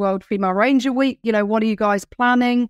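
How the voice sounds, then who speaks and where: A woman with an English accent talks at a fairly high pitch with ordinary pitch variation. The recording is very clean and dry, close with no echo, and the background silent. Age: 40s. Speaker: adventurer and charity founder. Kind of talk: interview.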